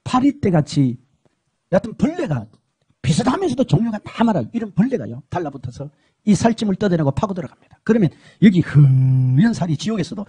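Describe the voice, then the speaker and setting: High-voiced husky Korean preacher. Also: male voice, sing-song, brisk. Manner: dramatic, swinging between shouts and hushed tones. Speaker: preacher giving a testimony. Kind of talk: emotional sermon testimony.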